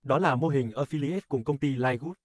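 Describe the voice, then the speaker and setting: A man's voice: mid-range voice, normal speed, no echo, lightly acted. Man acting a friendly cartoon businessman, dry studio sound. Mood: friendly, persuasive. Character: friendly businessman pitching a venture to an acquaintance. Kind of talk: scripted cartoon advertisement dialogue.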